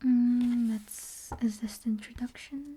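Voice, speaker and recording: A soft-spoken woman's fairly high voice at a very slow pace. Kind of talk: casual ASMR talk to listener. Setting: studio, binaural microphone recording.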